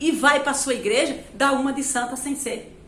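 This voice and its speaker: Through noticeable background noise, a woman with a high pitch uses a raised, projected voice and an animated tone at a moderate pace. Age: 70s. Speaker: YouTuber. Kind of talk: video reply to a viewer comment.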